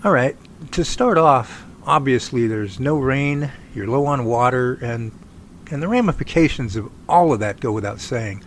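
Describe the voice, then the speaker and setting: A man playing an earnest research team leader in an amateur audio drama, talking in a folksy, halting way. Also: medium pitch, lively intonation, slight background noise, close to an everyday voice. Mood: explanatory, friendly.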